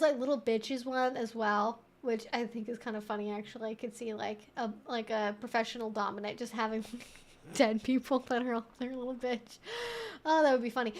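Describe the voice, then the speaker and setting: A woman hosting a casual livestream, chatting to viewers in a playful, wry, mock-serious way and often giggling as she talks. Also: a little high. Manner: giggles often while talking. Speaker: livestream host.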